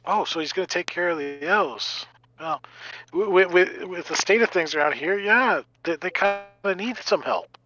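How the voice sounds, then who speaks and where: A man's voice: sits high, normal speed, bright, forceful tone, highs cut off, slight background noise. A man playing a tabletop game, asking hesitant, stammering questions in casual chat. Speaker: player.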